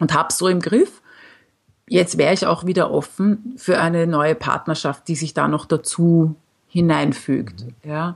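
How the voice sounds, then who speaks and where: A woman with a normal speaking voice talks at a fairly slow pace in a fairly low pitch, with ordinary pitch variation. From Austria, Vienna. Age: 40s. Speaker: psychological counsellor. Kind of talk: interview.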